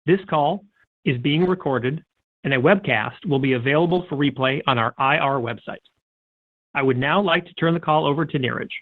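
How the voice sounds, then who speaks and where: A man with a fairly high-pitched voice comes through a tinny telephone line. He reads scripted corporate statements in a stiff, formal, measured manner, like an executive addressing investors. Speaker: head of investor relations. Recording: tinny narrowband phone conference line.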